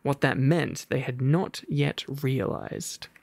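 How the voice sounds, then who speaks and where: A young man reading a book aloud in a soft, relaxed ASMR style, drowsy, with muttered asides. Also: mid-range voice, slow, vocal fry, husky, no echo. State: drowsy after a heavy meal. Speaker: ASMR roleplay storyteller.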